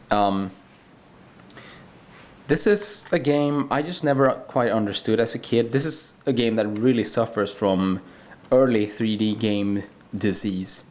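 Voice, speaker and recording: A young man from Sweden speaks English with a Swedish accent, his voice sitting low. He talks off the cuff and halting, full of ums and false starts. A faint rumble hums under the home recording. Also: darkish tone. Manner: hesitant, many ums and restarts. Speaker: video creator. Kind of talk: unscripted casual walkthrough. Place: home room.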